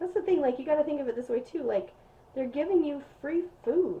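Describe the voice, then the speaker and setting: A woman speaks in a dark, mellow tone. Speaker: homesteading vlogger. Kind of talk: casual tutorial. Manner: casual and chatty.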